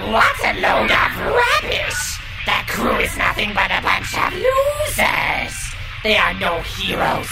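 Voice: mid-range voice, huge pitch swings, slow, vocal fry, full character voice. An actor playing a bitter alien villain, ranting theatrically in exaggerated cartoon style. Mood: scornful outrage. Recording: echoey, far, loud music behind.

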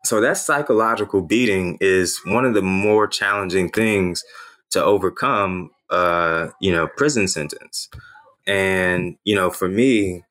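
A man in his thirties, a native Haitian Creole speaker, talks through his own past as an interview guest. His voice sits very low and deep. He speaks earnestly and reflectively, often pausing on "you know" as he gathers his thoughts. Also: fairly bright tone. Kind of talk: personal storytelling in an interview.

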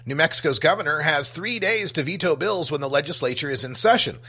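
A man's voice: fairly high pitch, lively intonation, a little fast, sharp tone, slightly rough. A man hosting a talk radio show, reading scripted intros and headlines in a punchy announcer's delivery. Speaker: radio talk show host and news reader.

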